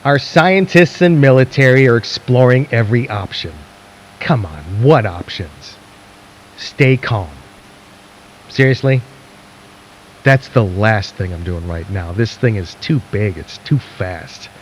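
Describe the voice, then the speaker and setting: A man playing a weary, defiant radio broadcaster at the end of the world, speaking gravely and haltingly in a radio drama. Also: medium pitch, natural voice. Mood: bitter disbelief. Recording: dull lo-fi radio sound, faint noise.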